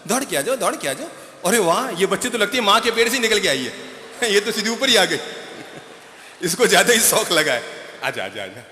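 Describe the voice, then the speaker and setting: Man giving a live sermon, high bright animated voice, teasing people up on stage, big echoey stadium sound. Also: moderate pace, slight background noise. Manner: playful, coaxing, calls people up on stage. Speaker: spiritual preacher. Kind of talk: live sermon with audience interaction. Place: large stadium gathering. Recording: echoey stadium hall reverb.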